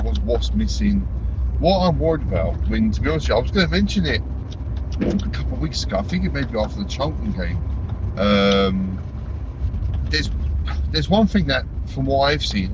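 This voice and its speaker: A man with a low voice sends a voice message, speaking bluntly and swearing freely, restarting his sentences as he goes. The phone recording sounds dull and muffled. Cars and street noise are clearly heard behind him. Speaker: caller leaving a voice message. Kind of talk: casual spoken voice message.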